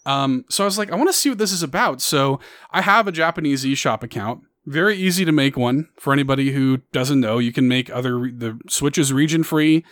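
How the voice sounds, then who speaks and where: A man's voice: mid-range voice, fairly quick, fairly bright tone, dry recording, clean studio sound. A man hosting a podcast, chatting casually and rambling with lots of fillers. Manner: rambling, many fillers, upbeat. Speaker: podcast host.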